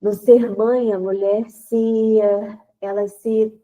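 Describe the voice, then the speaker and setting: A congested woman with a stuffy nose leads a prayer, then teaches a Catholic women's group. She talks gently and deliberately and repeats phrases while she searches for words. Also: on the high side, level tone, poor audio. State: congested, nasal from sinusitis.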